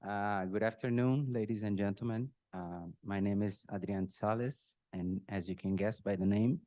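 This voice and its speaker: A man's voice: on the low side, steady tone, normal speed, warm tone, no room sound. Emotional middle-aged man. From Brazil. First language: Portuguese. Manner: emotional, often clears his throat, self-deprecating humor. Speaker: speaker at a birthday tribute. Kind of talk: personal tribute speech with jokes.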